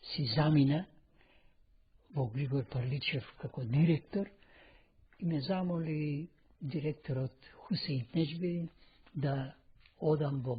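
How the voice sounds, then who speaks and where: A man in his seventies from North Macedonia, a retired teacher slowly telling his life story in an interview, captured on a lo-fi dictaphone. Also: mid-range voice, a little hiss or hum. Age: 70s. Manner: slow, reflective storytelling. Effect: lo-fi dictaphone recording. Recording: dull lo-fi dictaphone recording.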